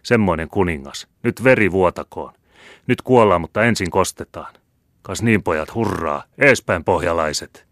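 A man's voice: low voice, a bit bright, dry recording, studio quality. A man voicing a delirious wounded cavalryman who curses and bellows battle orders in an audiobook. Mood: raving, bellowing. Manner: bellowing, cursing, raving.

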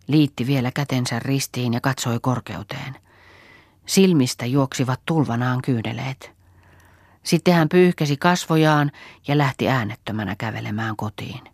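Woman audiobook reader, steady and measured, dry close-miked sound. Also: rumbling low, no room sound. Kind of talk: scripted narration.

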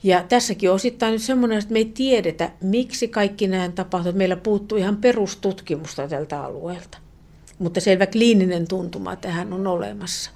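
A woman professor, a guest on a radio interview, explaining earnestly with many fillers and restarts, often trailing off softly. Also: mid-range voice.

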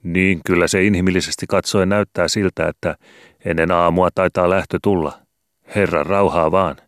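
Stern pious pastor as read by a man, measured delivery, dry close sound. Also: deep voice, fairly even intonation, no room sound, voice pushed up, close to an everyday voice. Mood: solemn. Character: solemn rural pastor, middle-aged man. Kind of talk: audiobook character voice.

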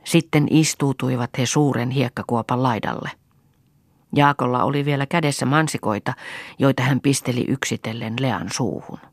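A woman reading a novel aloud in calm, measured narration, often dropping to a soft, hushed voice. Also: rumbling low, no echo, clean studio sound. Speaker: audiobook reader. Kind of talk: scripted literary narration.

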